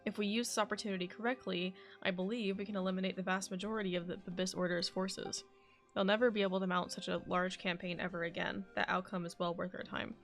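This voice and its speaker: A woman's voice: lowish voice, flat delivery, fast talker, fairly bright tone. A woman live streamer giving casual commentary on a game and reading its dialogue aloud. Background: game music.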